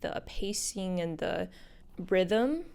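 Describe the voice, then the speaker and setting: A young woman hosting her own podcast, talking casually and upbeat to viewers, her voice husky because she is a little sick. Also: fairly low pitch, lively intonation, takes it slowly, a little mellow. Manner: bubbly and upbeat, addressing viewers directly. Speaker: podcast host and content creator. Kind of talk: casual solo podcast talk.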